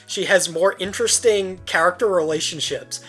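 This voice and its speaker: A man's voice: sits high, moderate pace, fairly bright tone, husky, faint music behind. A man arguing his side in a casual online debate, blunt and opinionated.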